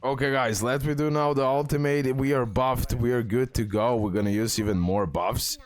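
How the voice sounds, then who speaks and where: A man giving casual, excitable gameplay commentary, repeating words and talking straight to his viewers. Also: medium pitch, normal speed. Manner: excitable, repetitive, addresses viewers directly. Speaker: gaming content creator, host. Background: music.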